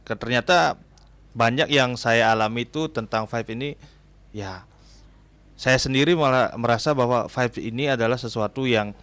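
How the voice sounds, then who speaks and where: A Hindu religious counselor from Bali, Indonesia, a man in his twenties, explains things as a guest on a casual radio interview, with frequent fillers. His mid-range voice is a bit bright and clean, at a moderate pace with frequent pauses and no echo.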